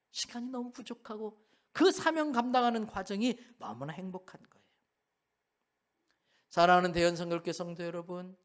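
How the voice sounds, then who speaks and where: A middle-aged male pastor preaching a sermon in a church sanctuary. He swings between loud exclamations and hushed tones. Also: sits high.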